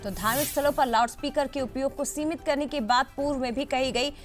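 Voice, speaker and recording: A woman's voice: high voice, brisk, soft background music. A woman anchoring a TV news debate, putting pointed questions to guests.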